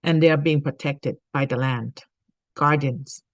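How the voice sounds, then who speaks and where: A woman's voice: sits low, fairly even intonation, measured pace, dry recording. A woman from Thailand giving an earnest spiritual teaching talk, often checking in with "okay?".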